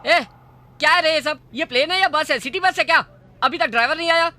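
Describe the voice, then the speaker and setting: A brash, flirtatious passenger who jokes loudly and grumbles. His dubbed-film delivery stays broad and comic throughout. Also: extremely high pitch, fast, heavily acted. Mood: indignant. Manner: loud, joking, flirtatious, complaining. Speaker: airline passenger. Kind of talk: Hindi film dub acting.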